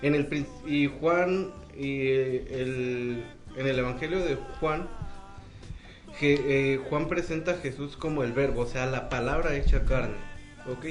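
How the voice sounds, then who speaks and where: A man's voice: mid-range voice, a little slow, soft background music. A man hosting a Christian radio talk, preacherly and often checking for agreement. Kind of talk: casual Christian radio discussion.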